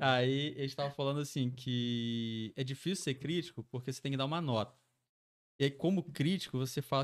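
In an unremarkable speaking voice, a man with a fairly high pitch talks at a fairly quick pace with ordinary pitch variation. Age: 40s. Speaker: podcaster, guest. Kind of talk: casual chat.

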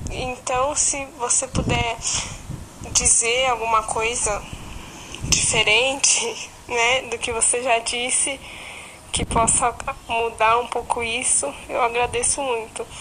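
A high-pitched woman's voice at a very slow pace, with long, frequent pauses, fairly even intonation and noticeable background noise. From São Paulo, Brazil. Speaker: listener sending voice message. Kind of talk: recorded voice message question.

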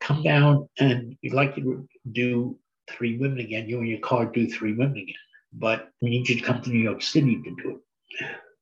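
Somewhat breathy, a man with an American accent speaks at medium pitch with fairly even intonation. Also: moderate pace. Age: 70s. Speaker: actor and rideshare driver. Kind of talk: casual interview.

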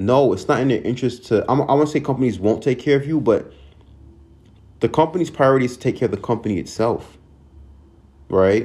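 Somewhat breathy and dark, mellow in tone, a man with an American accent talks at a fairly quick pace and medium pitch, with ordinary pitch variation and long, frequent pauses. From Long Island, New York. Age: 20s. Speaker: podcast host. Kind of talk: educational monologue. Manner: casual.

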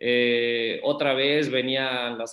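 A man's medium-pitched voice, flat and monotone. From Mexico, San Luis Potosí. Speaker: retired professional footballer. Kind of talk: casual interview.

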